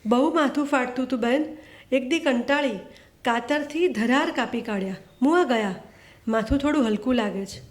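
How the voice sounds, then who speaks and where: A despairing young working wife in a storybook, read by a woman, pleading plainly with the one person she trusts. The voice sits high and bright. The delivery stays simple and earnest rather than theatrical. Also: moderate pace, lightly acted. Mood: distraught.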